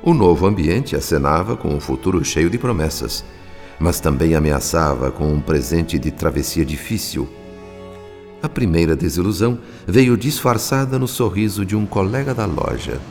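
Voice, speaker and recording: A man's voice: deep voice, moderate pace, darkish tone, long reverb tail, soft background music. A male narrator reading a radio drama in a dramatic, lyrical manner.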